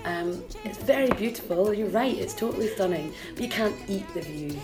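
A woman's voice: mid-range voice, normal speed, over music. A young Scottish woman, a folk fiddler and singer, talking frankly in an interview with plenty of ums. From Scotland. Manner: frank, lively, frequent ums. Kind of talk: casual interview talk.

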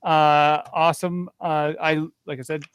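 A man hosting a podcast, his voice a little higher than most, upbeat and halting with fillers. The recording is dry, with no room sound. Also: flat delivery, clear, resonant tone, no room sound, dull audio. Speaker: podcast host. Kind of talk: casual podcast wrap-up.

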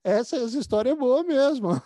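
A man's voice: extremely high pitch, lively intonation, brisk, dark tone. A man interviewing a guest over a call, answering with short affirmations and easy laughs. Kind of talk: casual remote interview.

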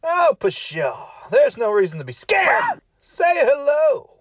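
A man's voice: very high-pitched, wildly swooping pitch, takes it slowly, a crowd in the background, heavily acted. A man playing a cranky, goofy, boastful horror-show host, teasing and clueless in comic banter. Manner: theatrical, teasing, clueless wisecracking. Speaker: podcast host character.

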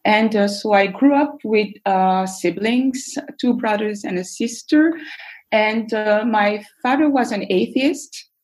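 A woman from Belgium, a guest on an interview podcast, telling her life story in an earnest, thoughtful way with frequent pauses and fillers. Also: medium pitch, darkish tone, rough recording. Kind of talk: casual personal storytelling.

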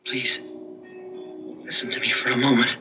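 An actor playing a wounded male stranger, weary and pleading, in earnest, soft 1960s TV drama acting, heard through dull old TV audio with faint hiss. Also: mid-range voice, flat delivery, normal speed, recorded from a distance, over music, lightly acted.

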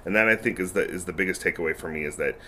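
A man on church staff co-hosting a podcast, relaxed and affirming in casual chat. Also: low voice, racing, a little hiss or hum.

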